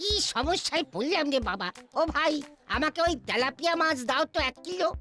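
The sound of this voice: A cartoonish character voice at a fairly quick pace, with faint music in the background.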